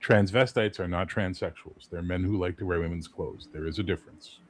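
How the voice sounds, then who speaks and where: A man with a somewhat low voice hosts a loose livestream chat. He speaks bluntly and forcefully, states strong opinions, and swears freely. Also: fairly even intonation, a little fast, slight background noise. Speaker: host.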